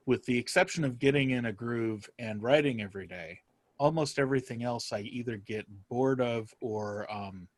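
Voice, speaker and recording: A man talking casually as an interview guest, halting and circling his point before landing on it. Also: lowish voice, dry recording. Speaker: podcast guest, writer and podcaster.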